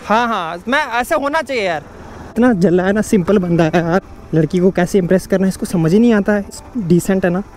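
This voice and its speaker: A man's voice: high voice, a little fast, darkish tone, slight background noise. A man vlogging casually outdoors from his motorbike, chatty and teasing, laughing often. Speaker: motovlogger. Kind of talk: casual motovlog chat. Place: outdoors on the road.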